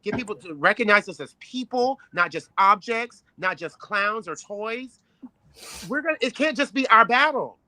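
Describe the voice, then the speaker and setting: A trans woman co-hosting a podcast who speaks in a measured, earnest way and steers the group discussion. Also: mid-range voice, lively intonation, pushed and bright. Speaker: podcast co-host.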